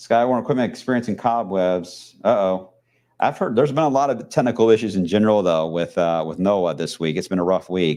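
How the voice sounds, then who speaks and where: A man mumbles at a fairly quick pace with a fairly low pitch and a dark, mellow tone. His intonation is lively, and the background is quiet. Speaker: TV meteorologist. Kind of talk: casual livestream weather chat. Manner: mumbling; casual, rambling with fillers.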